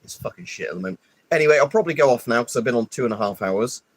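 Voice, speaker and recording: A man's voice: mid-range voice, lively intonation, racing. A man rambling and grumbling through a casual live stream, stuffy with hay fever and swearing often. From United Kingdom. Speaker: livestreamer.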